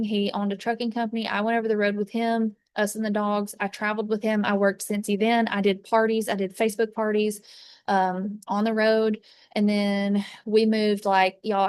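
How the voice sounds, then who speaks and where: A woman's voice: mid-range voice, clear, resonant tone, no echo, clean studio sound. A woman, chatting casually as a fragrance consultant, rambling with lots of fillers and restarts. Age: 30s. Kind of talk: casual chat. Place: inside an RV.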